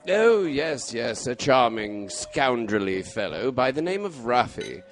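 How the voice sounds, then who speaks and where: An actor playing a shrewd, composed Victorian gentleman detective in a mystery drama, precise, formal and assured. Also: mid-range voice, very animated, measured pace, faint music behind. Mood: wry, assured. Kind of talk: radio-style mystery drama acting.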